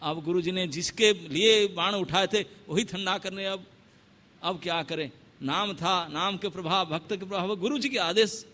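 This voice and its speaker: Animated high-voiced monk preacher. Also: male voice, measured pace. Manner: animated, acts out each figure. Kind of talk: devotional sermon storytelling. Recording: long hall reverb.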